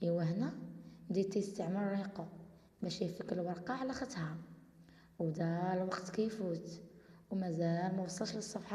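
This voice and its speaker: With a Moroccan accent, a woman speaks at a medium pitch and a fairly slow pace over noticeable background noise. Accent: Moroccan Arabic (Darija). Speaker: storyteller. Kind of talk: traditional folk tale narration.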